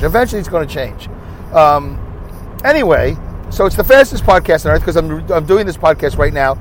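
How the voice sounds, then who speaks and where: Host, Brooklyn accent, male, slightly high voice, rambling stream-of-consciousness talk, recorded in a moving car with faint road noise. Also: low-quality recording. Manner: chatty, self-mocking, stream of consciousness. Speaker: podcast host. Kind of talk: rambling solo podcast while driving. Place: inside a moving car on a highway. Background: road and engine noise.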